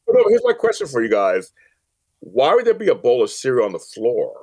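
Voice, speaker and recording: Animated man in his fifties telling stories. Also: mid-range voice, a little fast, no echo. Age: 50s. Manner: emphatic, repeats phrases for effect, acts out quoted dialogue. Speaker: podcast guest, professional organizer. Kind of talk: animated storytelling in a casual interview.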